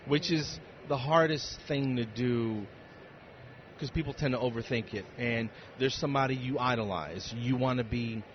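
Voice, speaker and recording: Male comedian guest, forties, self-deprecating casual banter, mid-pitched voice, dull sound over loud venue noise. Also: normal speed. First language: Spanish. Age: 40s. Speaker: interview guest, comedian and speaker. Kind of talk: casual chat. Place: on location at a busy convention.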